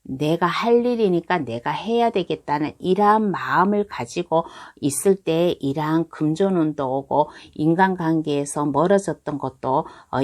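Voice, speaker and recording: A woman giving a tarot reading to her viewers, talking in a slow, reassuring way and circling back over her phrases. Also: deep voice, a little mellow. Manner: slow, reassuring, repeats phrases and hedging endings. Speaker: tarot reader.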